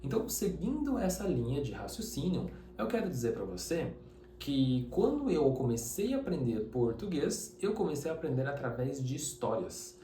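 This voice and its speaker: A man's voice: a little high, very animated, normal speed, dark tone, reverberant, slight background noise. A man from Taiwan whose first language is Mandarin, teaching a casual spoken lesson to camera and often tagging his sentences with checking questions. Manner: conversational, uses many tag questions.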